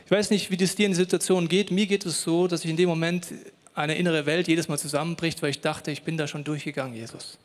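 High-voiced male pastor preaching. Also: steady tone, quick pace, in a large hall. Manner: personal, speaking directly to the listener, dramatic storytelling. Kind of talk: sermon. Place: church hall.

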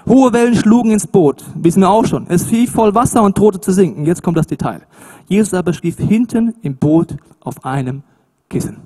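Husky, high-voiced preacher. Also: male voice, normal speed. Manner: animated, emphatic and colloquial, with swings between loud and hushed. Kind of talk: sermon.

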